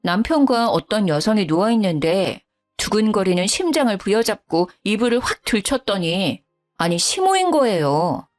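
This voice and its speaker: A woman calmly recounting her own family conflict as a story narrator. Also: mid-range voice, normal speed, soft background music. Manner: calm, matter-of-fact recounting.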